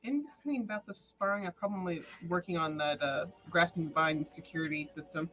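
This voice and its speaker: A woman's voice: lowish voice, moderate pace, fairly bright tone, rough recording. A woman tabletop game player chatting casually during the session.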